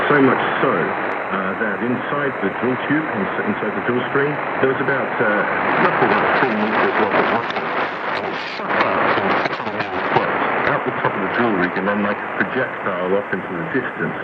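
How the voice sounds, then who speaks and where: A man's voice: lowish voice, very noisy. A male executive explaining things as an interview guest, heard on a muffled shortwave radio broadcast.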